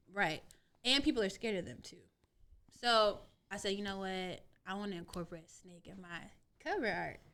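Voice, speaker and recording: A bright, sharp tone in a Texan accent, fairly quick yet broken by long, frequent pauses, with ordinary pitch variation and big swings in loudness. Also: woman, medium pitch for a woman. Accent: Texas Southern. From Texas, Dallas. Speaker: tattoo artist and music artist. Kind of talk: casual interview.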